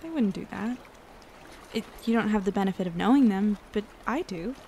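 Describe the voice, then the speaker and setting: An actress playing a relaxed, reassuring young woman in a naturalistic audio drama. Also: mid-range voice, moderate pace, a little hiss or hum, natural voice.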